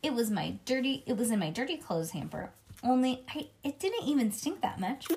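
A woman voicing a boastful, excitable kindergarten girl who narrates her day in childish grammar, as in a storybook read-aloud. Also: fairly high pitch, moderate pace, gravelly, a little hiss or hum. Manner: childish grammar, bragging, dramatic emphasis.

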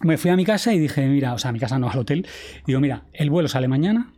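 Man telling a story, mellow tone. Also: medium pitch, expressive, racing. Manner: vivid retelling, acts out quoted dialogue, swears casually. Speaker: podcast guest, traveler. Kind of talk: casual storytelling interview.

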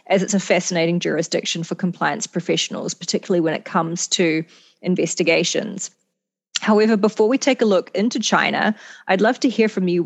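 A woman's voice: on the low side, gravelly. A woman hosting an interview podcast, enthusiastic and effusive as she welcomes and questions her guest. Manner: warm, enthusiastic, effusive praise. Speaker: podcast host.

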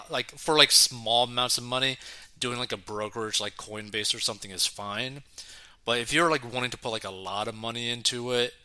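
A young man with a very bright, sharp voice reads a news story aloud, then breaks off into excited reactions. His commentary is casual and full of "like" and "right?" asides. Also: medium pitch, clear, resonant tone.

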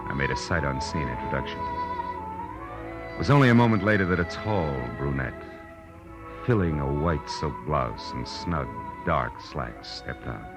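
A very low male voice plays a hard-boiled 1940s radio detective. He is tired, brusque and quick with a wisecrack. Music plays in the old broadcast. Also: expressive. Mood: cool narrating. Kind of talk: 1940s radio drama acting and first-person narration.

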